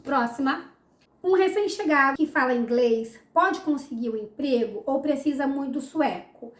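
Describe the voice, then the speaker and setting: A woman's voice: high voice, normal speed, echoey room. A Brazilian woman with a Brazilian Portuguese accent, answering follower questions in a casual, upbeat vlog with many fillers. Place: home, room with a window.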